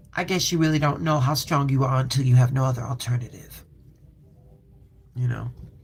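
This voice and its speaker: A somewhat breathy man speaks in an American accent with fairly even intonation. His pace is fairly quick, broken by long, frequent pauses. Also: medium pitch for a man. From Chicago, South Side. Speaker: tarot reader, spiritual livestream host. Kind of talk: casual livestream chat. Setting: live video stream. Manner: halting, repeated words.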